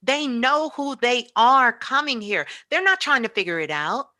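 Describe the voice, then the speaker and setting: A woman's voice: a little high, expressive, measured pace, bright, forceful tone. A woman giving an impassioned spiritual talk as a guest teacher, emphatic and repetitive like a preacher.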